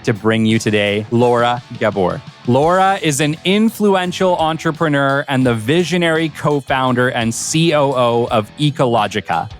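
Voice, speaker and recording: A man hosting a business podcast, introducing and interviewing a guest with effusive enthusiasm. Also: medium pitch. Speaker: podcast host.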